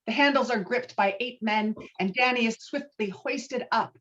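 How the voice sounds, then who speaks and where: A woman's voice: on the high side, moderate pace, a bit bright, dull audio. A woman reading stage directions as scripted narration for a virtual table read, recorded over an online call. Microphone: online call microphone.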